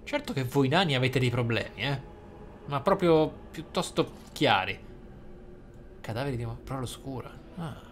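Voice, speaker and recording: A man's voice: medium pitch, animated, moderate pace. A man hosting a role-play gaming video, commenting and reading in a reflective, explanatory manner. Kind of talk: role-play game commentary, some reading aloud of in-game text. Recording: faint noise and game ambience.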